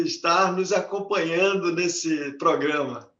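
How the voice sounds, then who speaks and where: A man with a high pitch and ordinary pitch variation, at a very slow pace, with audible room echo. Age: 60s. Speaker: bank analyst and professor. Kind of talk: testimony.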